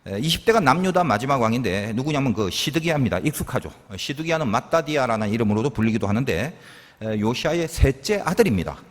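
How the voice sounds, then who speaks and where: Husky-voiced pastor preaching in a church hall. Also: male voice, mid-range voice, big pitch swings, fast. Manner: conversational teaching with rhetorical questions and asides. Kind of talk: sermon.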